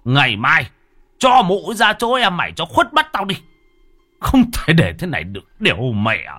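A man voicing a hot-tempered middle-aged husband in a ghost story, shouting and stammering with rage. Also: a little high, wildly swooping pitch, normal speed, pitched above the performer's own voice, exaggerated voice. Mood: furious.

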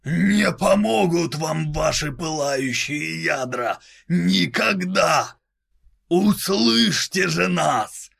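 A man voicing a demonic, arrogant alien overlord whose voice booms as if from everywhere, speaking slowly and menacingly. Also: animated, gravelly, fairly bright tone, slightly rough, full character voice. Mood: gloating fury. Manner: slow, menacing, declamatory. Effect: demonic voice booming as if from everywhere. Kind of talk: audiobook-style dramatic reading.

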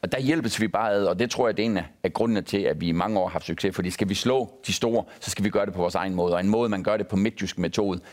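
A man with a fairly low voice chatting on a talk show as a football club director. He talks in an animated, storytelling way and often repeats small words like "so, so". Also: few pauses. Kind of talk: casual talk show chat.

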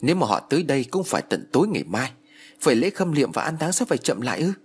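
A man's voice: medium pitch, sing-song, fast talker, slightly rough, voice pushed up. A man voicing an anxious younger brother. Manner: anxious, pleading questions.

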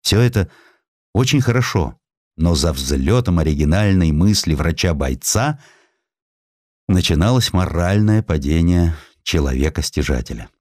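A man narrating a literary audiobook in an expressive, dramatic and emphatic storytelling manner. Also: deep voice, a little slow, dry recording, studio quality.

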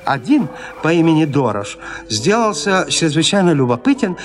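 Man reading an old classic story like theater, pitch bouncing around, music playing under. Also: very animated, moderate pace. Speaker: narrator. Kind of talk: scripted literary narration in a radio play.

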